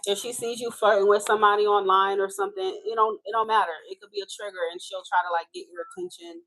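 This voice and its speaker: A casual woman with a Haitian accent reads tarot cards live. Her voice sits at a middle pitch, and her talk is loose and chatty, with slang and the odd curse word. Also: fast talker, a bit bright, poor audio. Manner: casual, chatty, swears and laughs often. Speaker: tarot reader.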